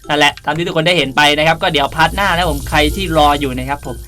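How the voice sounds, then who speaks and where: Racing through a casual game tutorial, a man with a high, pushed, bright voice chats politely and keeps speaking to his viewers. He's the creator and host of the video, and music plays behind him.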